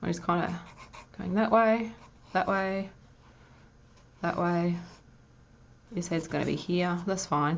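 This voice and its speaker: In a strong Australian accent, a woman speaks at a fairly slow pace with long, frequent pauses. Her pitch is fairly low, her intonation fairly even, and the room echo is audible. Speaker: artist drawing on camera. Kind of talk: casual talk while drawing. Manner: casual, self-deprecating.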